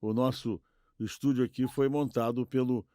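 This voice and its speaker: An older man with a Brazilian Portuguese accent chatting casually as a podcast co-host, halting and repeating words, often seeking agreement. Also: mid-range voice, fairly even intonation, mellow, no echo, clean studio sound. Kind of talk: casual chat.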